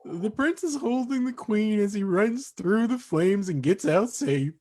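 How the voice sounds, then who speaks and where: A woman's voice: medium pitch, expressive, unhurried, warm tone. A woman reading stage directions as scripted narration for a staged reading.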